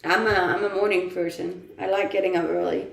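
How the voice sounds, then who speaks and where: Chatty woman streamer, gravelly, echoey room. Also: lowish voice, little pitch movement, brisk, a little hiss or hum. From Denmark. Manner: laughs often, chatty and self-amused. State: blocked nose from blowing it a lot. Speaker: livestreamer reading chat. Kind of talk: casual morning livestream chat. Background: faint music.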